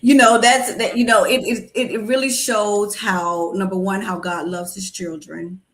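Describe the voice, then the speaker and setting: Female podcast host, supportive, steady listener who affirms a lot. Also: mid-range voice, moderate pace. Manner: affirming with frequent mm-hmms. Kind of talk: interview podcast.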